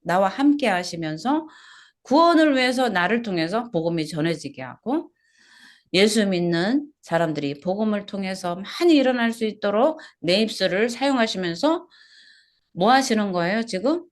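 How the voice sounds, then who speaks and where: A woman pastor preaches an expository sermon at a small church service in an expressive, mid-range voice at moderate pace. Questions for the congregation and repetition of key words run through her message.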